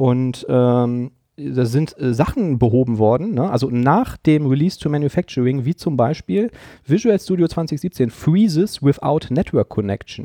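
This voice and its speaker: A man speaks at a fairly slow pace with a fairly high pitch, a dark, mellow tone and lively intonation. The sound is dry and close with no echo, over a quiet background. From western Germany, Ratingen area. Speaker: software developer podcast host. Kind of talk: casual chat.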